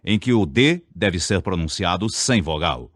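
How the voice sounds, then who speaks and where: Deliberate Brazilian man teaching diction. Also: deep voice, animated, a bit bright, no echo, clean studio sound. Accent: Brazilian Portuguese. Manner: deliberate, over-enunciates example words. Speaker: speech teacher. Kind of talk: scripted lesson narration.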